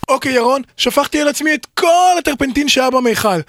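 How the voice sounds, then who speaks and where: A man's voice: very high-pitched, noisy background. A man acting in a comedy sketch, pushy and playful, switching between silly characters.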